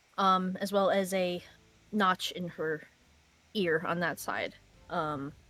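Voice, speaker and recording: Speaking at a very slow pace with long, frequent pauses, a woman keeps a monotone, flat intonation at a medium pitch. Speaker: tabletop role-playing game player. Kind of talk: in-character description in tabletop game session. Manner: halting, many fillers.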